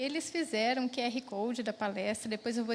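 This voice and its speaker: A woman with an Espírito Santo accent talks at a moderate pace. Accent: Espírito Santo (capixaba). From Espírito Santo, Brazil. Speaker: physician giving a spiritist talk. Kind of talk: lecture. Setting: spiritist center hall with audience, streamed on Facebook.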